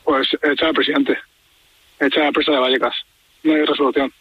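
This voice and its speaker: A man speaks as a football fan in a casual interview over a dull, muffled line. His voice is husky and a little high, and he is blunt, often repeating his point. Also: little pitch movement, fairly quick, no echo. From Madrid, Spain.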